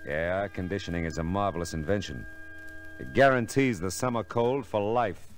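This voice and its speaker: A man's voice: deep voice, normal speed, lightly acted. An actor playing a weary, sardonic private detective in a vintage radio drama, with wry, clipped tough-guy delivery. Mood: wry, grumbling. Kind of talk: 1940s-50s radio detective drama acting, first-person narration. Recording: vintage radio recording with music.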